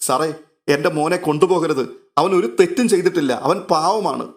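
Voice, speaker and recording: A man's voice: on the high side, fairly quick, natural voice. A man voicing a tearful middle-aged mother who pleads that her son is innocent. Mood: pleading. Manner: pleading, distraught.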